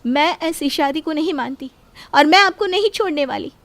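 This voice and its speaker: A woman's voice: high-pitched, moderate pace, a bit bright. A woman voicing characters in a dramatic audio story, with an emotional, pleading delivery.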